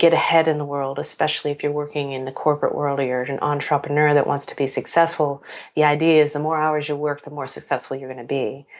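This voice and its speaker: A woman's very deep, low pitch at a very fast pace, monotone with flat intonation, against a quiet background. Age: 50s. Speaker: holistic health coach. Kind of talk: interview. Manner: halting.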